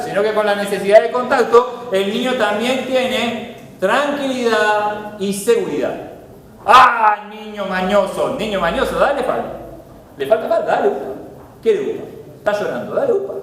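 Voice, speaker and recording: A man with a Uruguayan accent preaching a sermon as pastor, emphatic, swinging between loud pleas and soft low asides. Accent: Uruguayan Spanish. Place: church hall. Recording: echoey hall with faint noise.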